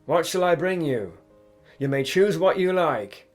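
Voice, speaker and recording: A woman voicing a kindly but stern old male farmer, speaking slowly and fatherly. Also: deep voice, expressive, faint music behind, pitched below the performer's own voice.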